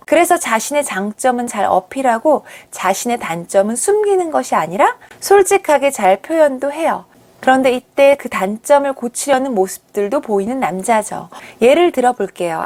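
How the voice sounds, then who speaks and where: A woman hosting a video channel, giving a scripted explainer narration in a gentle, chatty way to her viewers. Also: a little high. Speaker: channel host.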